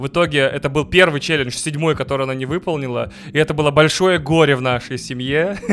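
A man's fairly high voice at a very fast pace, fairly even in intonation, over noticeable background noise. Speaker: video game enthusiast. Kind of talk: casual chat.

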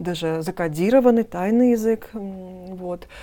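A woman's dark, mellow voice sits at medium pitch with ordinary pitch variation. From Georgia, Tbilisi. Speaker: university lecturer in Japanese studies. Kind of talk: interview.

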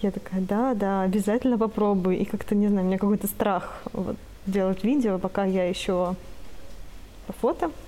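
A woman at medium pitch, moderate in pace, with fairly even intonation, very even loudness and long, frequent pauses. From Kazakhstan, Astana. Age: 20s. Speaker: underwater photographer and whale guide. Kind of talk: casual interview.

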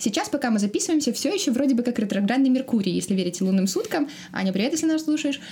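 Against noticeable background noise, a woman with a high pitch rushes at a very fast pace, her pitch swinging very widely while her loudness stays very even. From Belarus, Minsk. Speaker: podcast co-host. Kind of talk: casual chat.

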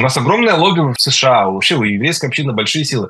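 A man at medium pitch. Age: 30s. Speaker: stand-up comedian. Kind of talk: interview.

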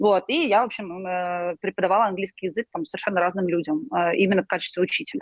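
Talking at a very fast pace, a woman with a medium pitch and lively intonation comes through in a dry, close sound with no echo. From Bryansk, western Russia. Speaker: business development manager, former English teacher. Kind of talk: casual interview.

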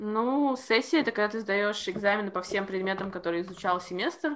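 In a plain, everyday voice, a woman talks at a fairly quick pace and a medium pitch, with ordinary pitch variation. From Latvia. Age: 20s. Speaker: master's student. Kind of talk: casual interview.

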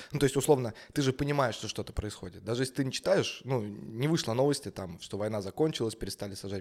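This very clean recording, with a silent background, captures a man speaking very fast. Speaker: guest co-host. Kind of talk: casual chat.

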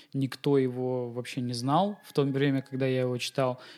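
A man with a medium pitch keeps his speech at a moderate pace. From Komi Republic, northern Russia. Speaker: extreme sports business owner and father. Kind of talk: casual interview. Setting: outdoor summer veranda at a wakeboard station.

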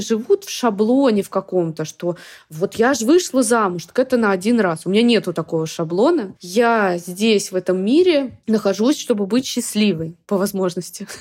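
A woman with an unremarkable speaking voice talks at a moderate pace and fairly high pitch, with lively intonation. Her loudness stays very even, in a very clean recording with a silent background. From Moscow, Russia. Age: 30s. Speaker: blogger. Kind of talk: interview.

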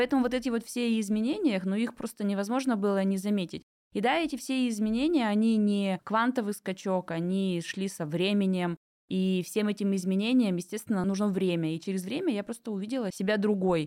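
On a very clean recording with a silent background, a woman talks fairly quickly at medium pitch, with a dark, mellow tone and ordinary pitch variation. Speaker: human design consultant. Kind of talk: interview.

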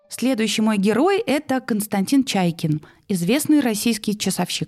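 A woman speaks at a moderate pace with a dark, mellow tone and fairly high pitch. Her intonation is lively. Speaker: podcast host. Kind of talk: interview.

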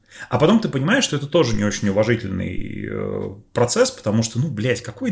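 A man talks at a fairly quick pace with lively intonation. His voice carries vocal fry. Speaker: comics translator and writer. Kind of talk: casual chat. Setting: remote recording.

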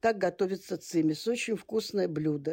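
Dark, mellow female tone, recorded very cleanly over a silent background. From Samara, Russia. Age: 70s. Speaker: grandmother. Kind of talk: casual interview.

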